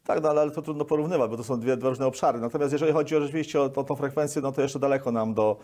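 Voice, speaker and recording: The man, a Polish local government official in his sixties, talks very fast in a medium-pitched voice that's a little mellow. Answering interview questions as a guest on a lapel microphone, he rambles and repeats words in the middle of sentences.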